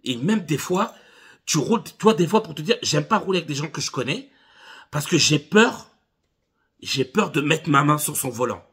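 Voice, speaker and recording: A man in his thirties, a driving instructor, speaks at a moderate pace in a fairly high, husky voice. He spins funny, animated anecdotes for his viewers, whom he calls "les gars," in casual storytelling to camera.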